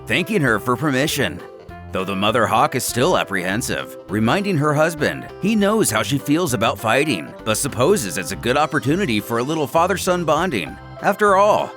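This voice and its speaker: A man's voice: mid-range voice, a bit bright. A man delivering scripted, dramatic narration of a story. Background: music.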